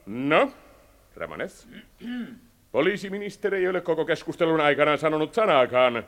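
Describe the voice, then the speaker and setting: A man's voice: fairly high pitch, expressive, fairly bright tone. An actor playing a domineering, cold male dictator president in a radio drama, speaking curtly and imperiously. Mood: stern. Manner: curt, imperious, cutting. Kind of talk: 1960s radio drama acting.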